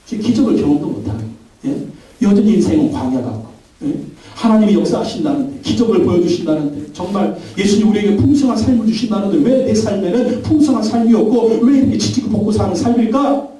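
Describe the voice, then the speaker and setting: A man's voice: high voice, dark tone. A man preaching a Sunday sermon as pastor, emphatic, leading the congregation in call-and-response. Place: large church sanctuary. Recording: very echoey church hall, mic at a distance.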